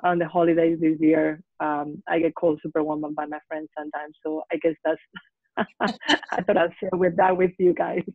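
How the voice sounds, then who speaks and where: A woman's voice: deep voice, fairly even intonation, normal speed, dry recording. A woman from Spain with a Spanish accent, a guest on an online panel, speaking hesitantly with many fillers. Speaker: guest health coach. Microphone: video call. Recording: tinny phone-like call audio.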